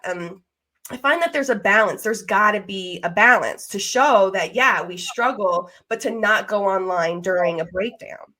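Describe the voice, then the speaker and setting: An American woman in her thirties talking conversationally on a podcast, with an emphatic, expressive manner. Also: medium pitch.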